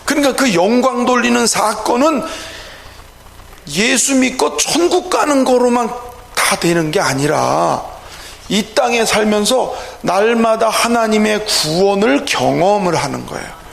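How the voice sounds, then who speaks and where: A man's voice: high-pitched, animated, unhurried, vocal fry, fairly bright tone. A man pastor preaching an evening worship sermon, emphatic, with rhetorical questions and calls of hallelujah, in a church sanctuary. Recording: echoey church hall, faint ambience.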